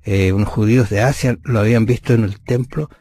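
A man's voice: on the low side, steady tone, brisk, warm tone, no room sound. Man discussing a Bible lesson, dry sound. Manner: thinks aloud with frequent hesitations. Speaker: Bible study co-host.

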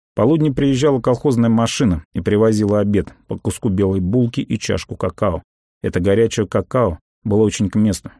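A man reading a memoir aloud as an audiobook narrator, in a calm, measured and reflective way. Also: lowish voice, no room sound, clean studio sound.

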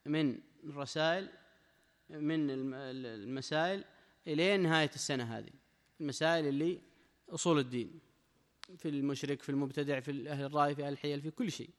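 A quick, rather high-voiced man teaches a mosque lesson, reading from a text and then driving each point home in short, repeated phrases. His voice carries the long reverb of a large hall. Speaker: religious teacher.

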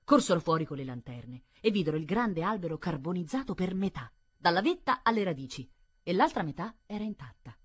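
A woman narrating a literary audiobook in a measured, expressive manner. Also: on the low side, slightly rough. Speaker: audiobook reader.

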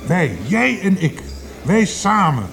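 A man's voice: high voice, sing-song, takes it slowly, gravelly, a bit bright, exaggerated voice. An actor playing a zealous male poet in a radio drama, speaking in solemn, grandiloquent declamation. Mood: urgent, persuasive. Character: fervent male poet, zealous would-be leader of language purists. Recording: music behind the voice. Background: music.

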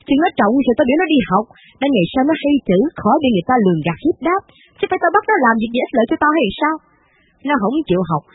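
Woman voicing a hot-tempered wealthy old matriarch, scolding, husky, dry tinny recording. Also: on the high side, no room sound, big-room sound, exaggerated voice. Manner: scolding, blunt, harsh. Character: rich old mother, domineering and quick-tempered.

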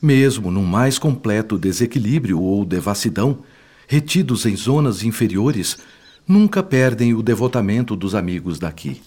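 A wise, patient spirit mentor in a Brazilian radio drama. He has a lowish voice with very lively intonation and explains things formally, with grave compassion. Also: normal speed. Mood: compassionate, fervent. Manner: didactic, formal, eloquent. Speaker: instructor.

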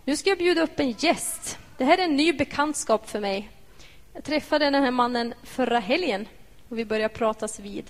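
A woman giving a personal devotional talk to a congregation, reflective and gentle, asking the listeners questions. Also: on the high side. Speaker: devotional speaker. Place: church hall. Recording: echoey church hall.

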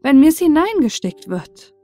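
Woman playing a cheeky soldier rogue, pitched up high. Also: very animated, measured pace, warm tone, faint music behind, full character voice. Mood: defiant. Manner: breezy, defiant, protesting. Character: cheeky, carefree discharged soldier, a male rogue. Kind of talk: fairy-tale storybook character voice.

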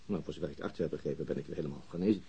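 Very husky, deadpan police detective. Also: male voice, a bass voice, very fast, muffled recording, exaggerated voice. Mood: guarded, dry. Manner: deadpan, politely ironic. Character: dry, disillusioned male police detective, quietly ironic. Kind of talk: radio drama acting.

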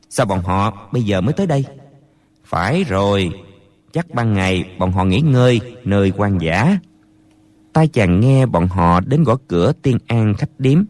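A man narrating a martial arts novel as an audiobook in an expressive storytelling manner, close to the mic. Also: medium pitch, no echo.

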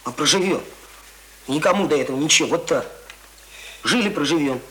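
An actor playing a sensible, stubborn teenage schoolboy who talks in a matter-of-fact, mildly mocking way in a radio play. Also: male voice, on the high side, animated, fairly quick, fairly bright tone, low-quality recording. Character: schoolboy lodger, sensible, stubborn, teasing future surgeon.

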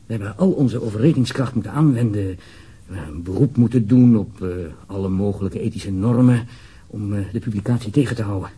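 A man's voice: fairly low pitch, a little fast, mellow, breathy edge. A man with a Netherlands Dutch accent playing an uneasy, formal government official in a radio drama, wordy and hesitant. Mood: uneasy, grave.

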